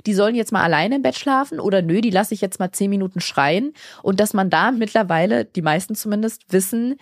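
A woman's voice: mid-range voice, lively intonation, fairly quick, no room sound, clean studio sound. Earnest woman talking at length. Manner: earnest, reflective, talks at length with many restarts. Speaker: podcast co-host. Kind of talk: casual conversation.

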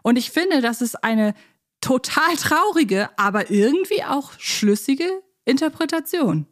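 A woman's voice: high-pitched, expressive, unhurried. A woman hosting a podcast, talking casually in a chatty, thoughtful way as she explains her views on children's audio dramas. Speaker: podcast host.

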